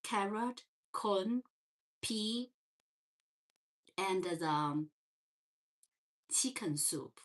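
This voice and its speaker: A woman from China with a Chinese accent, hosting a relaxed livestream chat with viewers and often pausing on fillers. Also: medium pitch, rough recording. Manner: slow and gentle, many fillers and restarts. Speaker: livestream host. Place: parents' home.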